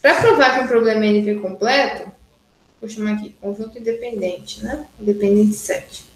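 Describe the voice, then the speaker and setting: A woman's voice: a little high, reverberant, low-quality recording. A woman university lecturer teaching an online class, working through exercises step by step and checking in with students often. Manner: explains step by step, frequent "né?" and "tá?" checks.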